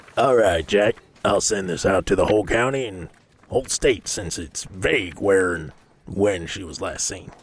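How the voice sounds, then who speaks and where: A man puts on a raspy character voice with fairly low pitch. He delivers it at a moderate pace. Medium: audio drama. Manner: plain-spoken, fatherly.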